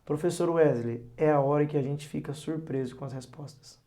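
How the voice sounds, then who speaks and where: A man's voice: a little high, moderate pace. A man, a pastor and psychologist, giving earnest advice as a guest on a podcast and acting out parents and children in his stories. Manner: animated storyteller who acts out parents and children; earnest, advising. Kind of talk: podcast interview talk.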